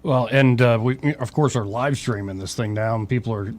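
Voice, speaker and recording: A man's voice: mid-range voice, fairly quick, faint music behind. A man hosting a talk radio show, joking and laughing easily. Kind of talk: casual talk radio banter.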